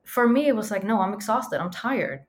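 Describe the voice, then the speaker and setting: A woman's voice: medium pitch, expressive, normal speed. A woman from Sweden with a light Swedish accent under a mostly American sound, speaking earnestly and reflectively as a podcast guest. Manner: earnest, reflective, emphatic repetitions. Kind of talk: conversational interview.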